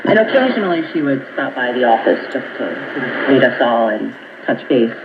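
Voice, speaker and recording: A woman's voice: rumbling low, very animated, fairly quick. A woman giving conversational answers as an interview guest on shortwave radio. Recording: noisy muffled shortwave radio reception.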